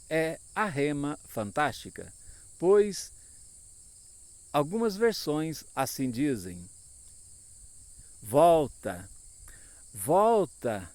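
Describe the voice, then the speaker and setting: A man preaching a sermon, speaking slowly and with emphasis, often asking listeners for an amen. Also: fairly high pitch, a little mellow, no room sound.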